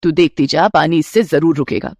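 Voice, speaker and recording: A woman doing a calm, lower-voiced mother-in-law. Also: normal speed, no echo, clean studio sound. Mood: reassuring. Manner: soothing, reassuring. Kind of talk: cartoon storybook voice acting.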